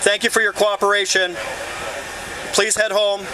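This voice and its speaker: An American man working as a law enforcement officer makes formal, measured announcements, polite but firm in his commands. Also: high voice, level tone. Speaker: law enforcement officer giving dispersal orders. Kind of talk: formal public announcements and radio updates. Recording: noisy outdoor bodycam, loud vehicle noise. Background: vehicle and street noise.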